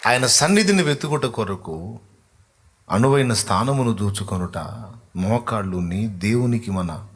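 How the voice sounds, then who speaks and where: A male pastor preaching quickly and softly between slow sung devotional lines. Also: on the low side, animated, a little hiss or hum. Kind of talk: sermon with sung worship. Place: church livestream.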